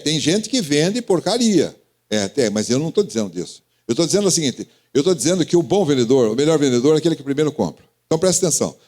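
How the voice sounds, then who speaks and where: A man's voice: fairly high pitch, a little mellow. A Brazilian man preaching as pastor, calling on congregation members by name with questions and teasing. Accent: Brazilian Portuguese. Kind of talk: interactive sermon.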